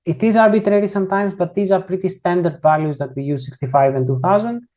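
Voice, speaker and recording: A soft, mellow-toned instructor leads an online coding tutorial over a computer microphone. The delivery is casual and explanatory, walking through each step while often restarting and correcting sentences. The pitch sits in an ordinary middle range. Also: fast talker. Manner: frequently rephrases and corrects itself mid-sentence.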